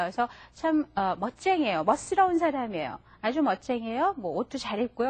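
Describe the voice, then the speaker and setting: A woman teaching an English vocabulary lesson to a class, chatting patiently and modeling each word for the students to repeat. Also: sits high. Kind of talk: classroom lesson for adult learners. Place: TV studio classroom.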